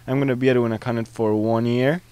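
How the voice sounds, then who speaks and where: A seventeen-year-old exchange student from Costa Rica, answering interview questions in a relaxed, unhurried way. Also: male voice, medium pitch, clear, resonant tone. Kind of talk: school news interview.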